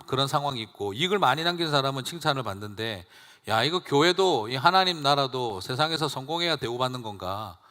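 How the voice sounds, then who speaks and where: Male pastor, bright tone, conversational sermon with rhetorical questions, church reverb. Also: mid-range voice. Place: church sanctuary.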